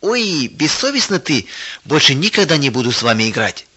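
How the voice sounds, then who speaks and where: A man voicing an earnest, quick-tempered little girl in a raised, lively voice, in a Christian children's story read aloud. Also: mid-range voice, highs cut off. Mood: angry.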